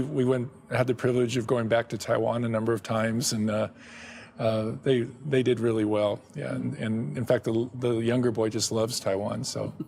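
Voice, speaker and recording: A middle-aged man answering interview questions about his work and family, speaking haltingly with frequent restarts and soft chuckles. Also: medium pitch. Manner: halting, many restarts and repeated words; chuckles often. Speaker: guest, ministry director.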